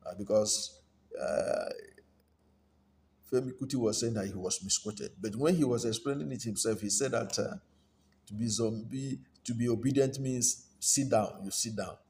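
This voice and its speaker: A man with a Nigerian accent giving unscripted political commentary in a halting, deliberate manner, often rephrasing himself. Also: medium pitch. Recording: steady background noise, room ambience.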